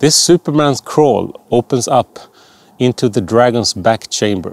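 A man at a fairly slow pace, dry sound with no echo. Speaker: presenter. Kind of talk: documentary narration to camera. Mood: calm, lightly humorous. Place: forest. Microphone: lapel.

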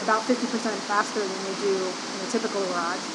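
Someone talks at a very fast pace. Loud background noise runs throughout. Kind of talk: interview answer. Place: garage. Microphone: lapel.

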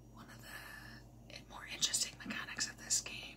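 The speaker talks in a whisper. Behind the voice there is noticeable noise. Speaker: ASMR gaming content creator. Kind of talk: casual gameplay commentary to camera. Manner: whispered, soft-spoken.

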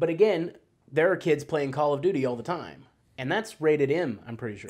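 The speaker sounds animated, moving at a moderate pace with ordinary pitch variation. The background is quiet. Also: man. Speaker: gaming channel co-host. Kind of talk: casual chat. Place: home room.

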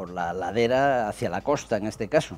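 A man at a moderate pace, ordinary pitch variation, over light background noise. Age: 60s. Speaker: geologist; guest. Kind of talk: interview. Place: studio. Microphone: lapel.

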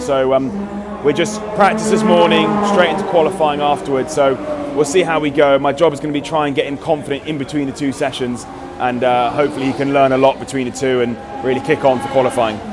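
Talking at a very fast pace, a man is heard amid noticeable background noise. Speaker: driver coach. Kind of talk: coaching talk and piece to camera. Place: garage.

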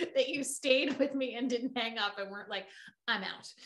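A woman projects a raised, high voice with a bright, sharp tone and ordinary pitch variation. She moves at a fairly quick pace over light background noise. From Baltimore, US. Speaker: podcast host. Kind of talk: casual interview. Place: home room.

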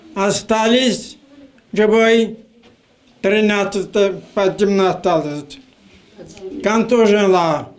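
A man talks at a very slow pace in a high voice. His intonation stays fairly even. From Bashkortostan, Russia. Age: 80s+. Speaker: war veteran. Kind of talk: interview answer. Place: home room. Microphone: handheld.

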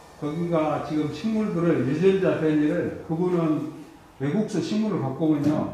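Amid noticeable background noise and audible room echo, a man speaks at a high pitch and a fairly slow pace with lively intonation. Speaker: wildflower nursery owner and plant breeder. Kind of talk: informal talk to students. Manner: halting, many fillers.

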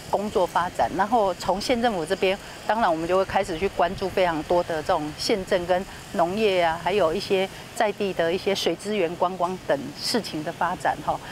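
Against light background noise, a woman talks at a moderate pace with fairly even intonation and a dry sound with no echo. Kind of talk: interview answer. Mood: calm, explanatory. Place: farm. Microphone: lapel.

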